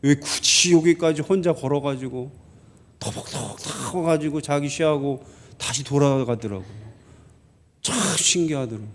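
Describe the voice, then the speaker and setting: A man's voice: a little high, normal speed. A male pastor preaching a sermon in a church, conversational and full of questions to the congregation. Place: church sanctuary.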